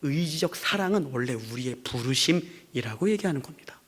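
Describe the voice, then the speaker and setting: Lively Korean pastor preaching. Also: male voice, medium pitch, moderate pace, breathy edge. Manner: lively, conversational preaching with acted quotes and rhetorical questions. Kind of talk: sermon. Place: church sanctuary.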